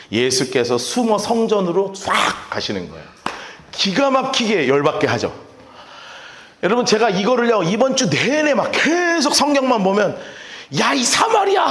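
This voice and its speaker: A man preaching a lively sermon, joking and acting out quarrels from the Bible in casual speech. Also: a little high. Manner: animated, jokey, acts out quarrels in casual speech. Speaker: pastor. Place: church sanctuary. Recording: roomy church hall reverb.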